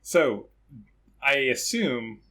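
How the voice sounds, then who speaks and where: A man hosting a podcast, asking casual questions with a relaxed, laughing manner and plenty of uhs and likes. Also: medium pitch, extremely slow. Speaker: podcast host.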